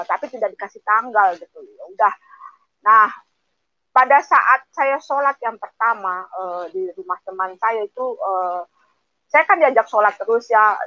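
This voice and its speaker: A woman in her fifties telling a personal testimony in speech, animated and often acting out quoted dialogue in a higher voice. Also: no room sound, muffled recording. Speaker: guest sharing a testimony.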